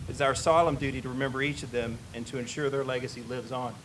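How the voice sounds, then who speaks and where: A man's voice: mid-range voice, fairly even intonation, quick pace, a bit bright, far from the mic, slight background noise, rough recording. A man with a Kentucky accent, a retired Navy commander, giving a formal memorial speech. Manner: folksy asides, then a solemn prepared address.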